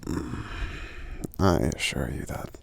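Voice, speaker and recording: A man playing a friendly, polite, protective giant in soft-spoken ASMR roleplay, breathy and gravelly, with hesitant, hum-filled pauses. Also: natural voice. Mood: accommodating, gentle. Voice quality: breathy, gravelly, half-whispered. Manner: hesitant, courteous, unhurried, pausing with hums.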